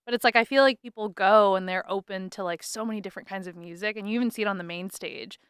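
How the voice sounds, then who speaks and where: A woman's voice: medium pitch, fast talker, a bit bright, clean tone, dry recording, studio quality. A woman co-hosting a podcast, chatting in an upbeat way, filling her talk with "like" and "right". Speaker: podcast co-host. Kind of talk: casual podcast chat.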